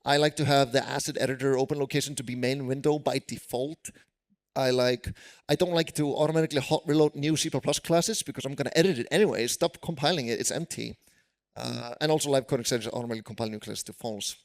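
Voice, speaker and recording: A man's voice: medium pitch, quick pace. A man with an Icelandic accent, a programmer presenting tips on stage at a conference in a casual, self-deprecating way with many fillers. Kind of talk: live conference tech talk.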